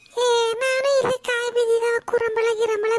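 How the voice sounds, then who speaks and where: A cartoonish character voice from a woman, extremely high in pitch, with a dry, close sound and no echo. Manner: sly, plotting asides.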